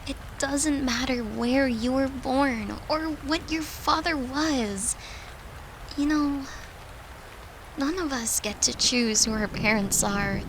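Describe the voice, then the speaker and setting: Woman acting as gentle reassuring girlfriend, comfort roleplay, soft-spoken, fairly high, unhurried, faint rainy noise behind. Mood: earnest, firm. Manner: tender, reassuring, sighing, slow and hushed. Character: gentle, devoted human girlfriend soothing her demon lover.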